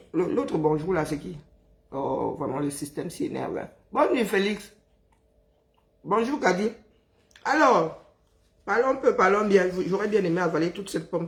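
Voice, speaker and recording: A woman with a Cameroonian French accent, hoarse and exhausted, talks to her live-stream audience. She is chatty and teasing, greets viewers one by one, and fills the gaps with hums and drawn-out sighs. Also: fairly low pitch. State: hoarse, worn-out voice.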